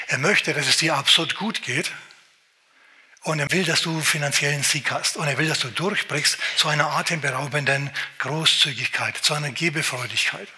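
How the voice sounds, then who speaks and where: A male pastor preaching a sermon, lively and addressing the listener directly with questions. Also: medium pitch. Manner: lively, exclaiming, talks straight to the listener.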